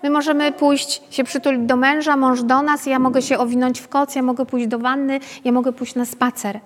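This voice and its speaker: She speaks briskly in a high voice with a level tone, a pedagogue leading a parenting workshop. The talk is informal and chatty, and she often uses tag questions to check in with the group. A hall lends the audio long reverb.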